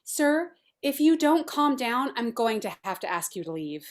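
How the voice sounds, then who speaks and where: A woman's voice: on the high side, big pitch swings, moderate pace. A woman playing a polite but firm restaurant waitress in a table read. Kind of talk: amateur virtual table read.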